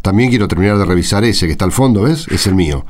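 Man playing a fast, low-voiced Argentine mechanic. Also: lively intonation, a little mellow, slight background noise, lightly acted. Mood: friendly, relaxed. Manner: colloquial, tags questions with "eh". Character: friendly, easygoing working mechanic, a young father. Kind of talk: colloquial radio drama dialogue.

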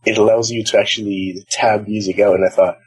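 A man's voice: on the low side, level tone, brisk, husky, low-quality recording. A young man from the Los Angeles area, chatting casually and ramblingly as an interview guest. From Los Angeles area, California. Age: young adult. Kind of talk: casual chat. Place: library, nearly empty.

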